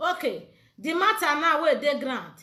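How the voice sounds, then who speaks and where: A raised, projected voice with lively intonation and a bright, sharp tone. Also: woman. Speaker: police officer and live-stream host. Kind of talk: live video interview. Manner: switches to Nigerian Pidgin.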